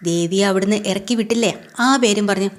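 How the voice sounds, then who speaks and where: A scheming middle-aged mother who pushes others around and turns on dramatic wailing when it suits her, as a woman retelling a serial puts her on. She speaks at an ordinary pitch, her manner forceful and theatrical. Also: steady tone, fast talker, lightly acted. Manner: pushy and dramatic, wailing in fake distress.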